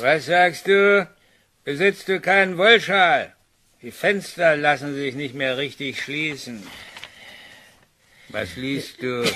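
A man puts on a gruff character voice, fairly high in pitch with lively intonation, speaking very slowly with long, frequent pauses. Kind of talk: German radio crime comedy. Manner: gruff, curses constantly.

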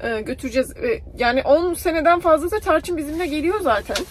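A woman's fairly quick speech with very wide pitch swings, dry with no echo, over light background noise. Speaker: family vlogger. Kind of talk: casual vlog chat. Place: car. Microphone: phone near.

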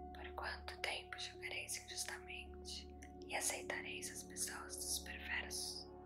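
Over music in the background, a soft-spoken whisper moves at a fairly slow pace in a calm tone. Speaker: Bible reader / ASMR sleep-aid channel host. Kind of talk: whispered Bible reading for sleep. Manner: whispered, calm, soft.

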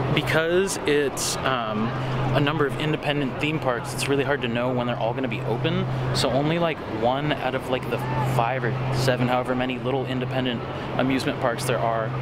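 A man talks fairly quickly against loud background noise, the sound dry with no echo. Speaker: travel vlogger. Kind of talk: casual vlog chat. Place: waterside. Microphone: phone near.

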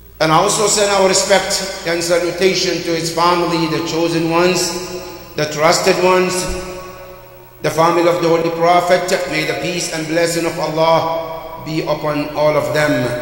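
Over music in the background, a man talks in a high, monotone, flat voice with audible room echo. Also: moderate pace. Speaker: preacher. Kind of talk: sermon. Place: hall.

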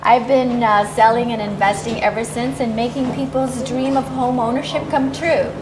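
Over noticeable background noise, a woman speaks at a moderate pace. Her voice sits fairly high and moves up and down in an ordinary way. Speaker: real estate agent; talk show guest. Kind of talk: casual chat. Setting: stage with audience. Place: studio.

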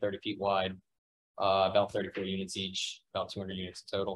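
Over a quiet background, a man speaks at a moderate pace with a fairly low pitch. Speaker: engineer. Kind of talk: project presentation. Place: meeting room. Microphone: podium.

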